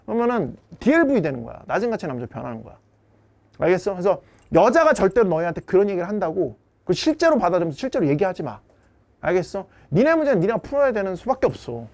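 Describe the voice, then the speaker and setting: A man giving a blunt dating lecture, his brash delivery full of swearing as he scolds his students. His voice sits high and swings widely in pitch. He rattles along at a rapid clip. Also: a little mellow. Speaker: dating coach.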